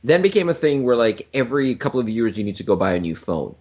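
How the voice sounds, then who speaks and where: Podcast dude ranting loosely, voice bouncing up and down, jokes on himself, muffled audio. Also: male voice, medium pitch, big pitch swings, fast, a little mellow. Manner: joking, rambling, self-mocking. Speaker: podcast co-host. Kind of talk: casual banter.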